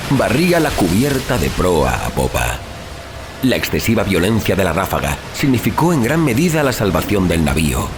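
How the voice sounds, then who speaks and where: A man narrates a dark sea story in a low, deep voice. His delivery is measured and theatrical, with lively swings in intonation, while music plays clearly underneath. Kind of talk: dramatic scripted audiobook narration of a horror sea tale.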